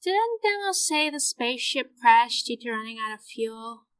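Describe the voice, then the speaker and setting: A woman's voice: fairly high pitch, animated, normal speed, fairly bright tone, clear, resonant tone, no room sound. A woman playing a cautious, sceptical time traveller in an audio drama, precise and firm.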